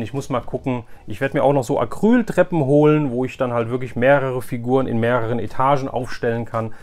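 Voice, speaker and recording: A man's voice: mid-range voice, darkish tone. A man talking casually and informally to his viewers as the host of a haul vlog, chatty and direct. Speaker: YouTube host, flea market collector.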